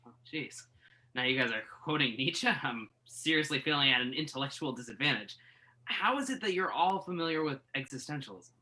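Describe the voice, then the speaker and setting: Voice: mid-range voice, animated, fairly quick, pushed and bright, poor audio. An actor playing a skeptical, wry journalist in a play reading, argumentative and questioning. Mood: wry, exasperated. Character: skeptical, wry entertainment journalist debating music. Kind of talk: conversational dramatic play reading. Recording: virtual reading over internet call.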